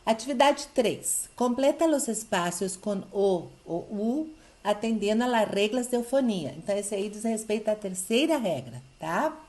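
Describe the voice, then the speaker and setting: Brazilian-style teacher checking in often. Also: female voice, mid-range voice, animated, normal speed, a little mellow. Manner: explains step by step, checks in with "tá?" and "ok?". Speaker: Spanish teacher. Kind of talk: recorded online review lesson.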